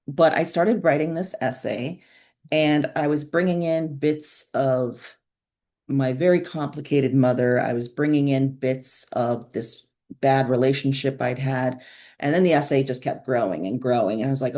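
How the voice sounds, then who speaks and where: Woman, low voice, interviewed writer, candid, reflective, informal conversation. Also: warm tone. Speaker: interviewed author.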